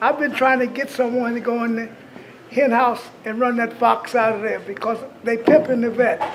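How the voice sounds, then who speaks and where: A man with an American accent talks at a fairly quick pace in an extremely high pitch, monotone and flat. Audible room echo and noticeable background noise fill the recording. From US South, Memphis, Tennessee. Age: 80s+. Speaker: war veteran. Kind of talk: testimony. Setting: church hall meeting with audience.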